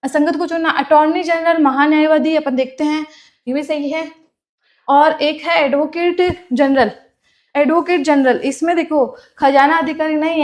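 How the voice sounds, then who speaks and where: High-pitched woman teacher, keeps asking her own questions then answering, repeats each word. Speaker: Hindi exam teacher. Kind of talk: classroom lecture.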